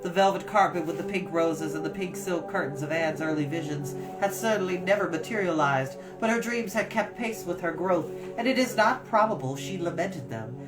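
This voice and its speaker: A woman reading a classic novel aloud as a storyteller, expressive and lingering over phrases. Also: on the low side, moderate pace, few pauses. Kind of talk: scripted narration, storybook reading. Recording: distant mic with music behind. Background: music.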